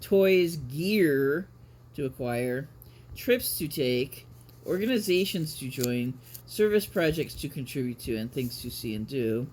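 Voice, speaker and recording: A man's voice: mid-range voice, animated, takes it slowly, a little mellow. A man vlogging casually, chatting and reading aloud in a rambling, self-interrupting way. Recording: clear background noise, ambient sound.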